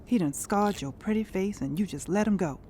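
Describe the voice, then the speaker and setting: An actress in an audio drama playing a sharp-tongued, indignant, sardonic woman with salty, sassy Black American vernacular. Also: mid-range voice, a little fast, slight background noise, close to an everyday voice. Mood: sardonic, teasing. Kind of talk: naturalistic audio drama acting.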